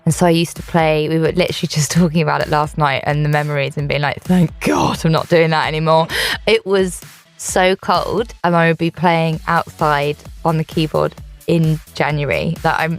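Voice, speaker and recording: A young woman singer from England talking candidly and chattily in a radio studio interview, laughing easily. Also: deep voice. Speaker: singer guest.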